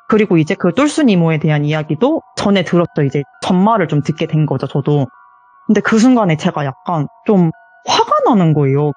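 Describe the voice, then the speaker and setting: A woman's voice: on the low side, darkish tone. Young woman telling a ghost story. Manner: earnest, quotes others in acted lines. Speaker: viewer telling her story. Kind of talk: phone-in storytelling interview. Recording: voice call with faint music behind.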